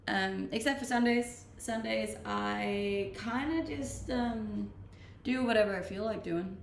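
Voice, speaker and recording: A young Danish woman, speaking her native language, relaxes on a live stream and reads each chat question aloud before answering it. Her medium-pitched, gravelly voice moves slowly, picked up by a distant mic in a roomy home setting with slight background noise.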